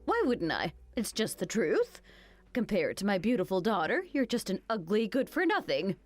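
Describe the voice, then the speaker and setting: A spiteful, money-hungry mother-in-law sneers and mocks, voiced by a woman. Her pitch swoops wildly from line to line as she delivers each insult. Faint music plays behind this animated story. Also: moderate pace. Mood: sneering. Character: cruel older mother-in-law, spiteful and greedy.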